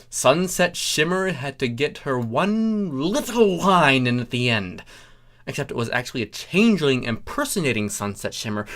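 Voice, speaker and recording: Casting: comic story reader, animated pitch, theatrical and mock-pompous, slips into dry asides to the listener. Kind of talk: comic dramatic fan fiction reading with asides.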